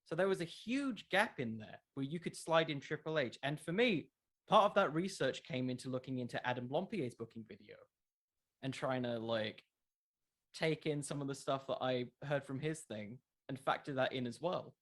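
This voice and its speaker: A man's voice: mid-range voice, animated, moderate pace, a bit bright. A man answering questions in a casual interview, thinking aloud and repeating words as he goes. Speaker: podcast creator, interview guest. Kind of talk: casual interview chat about wrestling fiction.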